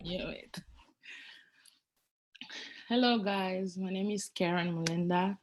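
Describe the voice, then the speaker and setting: A woman's voice: fairly low pitch, takes it slowly, a little hiss or hum. A young woman from the Democratic Republic of the Congo, speaking as a student ambassador on a panel, stopping now and then to find her English words. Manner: searches for English words, restarts phrases. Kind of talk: panel self-introduction.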